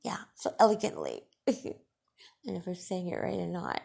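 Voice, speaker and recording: A woman podcast host and radio broadcaster with Farsi as her first language, talking in a deliberate, emphatic monologue that scolds her critics. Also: on the low side, wildly swooping pitch, vocal fry, darkish tone, slightly rough.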